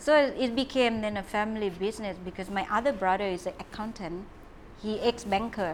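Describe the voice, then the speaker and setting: A woman speaks with a Thai accent at a fairly quick pace. Her pitch is medium, with ordinary variation. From southern Thailand (Trang). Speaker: interior designer. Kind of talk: casual interview chat.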